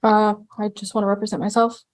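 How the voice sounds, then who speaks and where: A woman's voice: medium pitch, level tone, fast. A woman speaking as a defendant in a courtroom recording, giving short, polite answers to a judge. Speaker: defendant representing herself.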